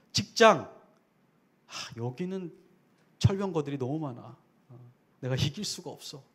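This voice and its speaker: As a guest preacher at a church worship service, a man with a fairly high-pitched voice delivers an earnest, conversational sermon, asking the congregation rhetorical questions.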